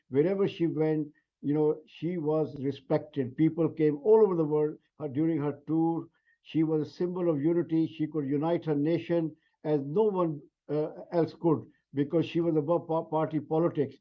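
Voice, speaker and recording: A man in his seventies from India, a member of the House of Lords, speaking as a guest on a live news interview, measured and full of restarts. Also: on the high side, muffled recording. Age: 70s. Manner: measured, with frequent restarts and fillers.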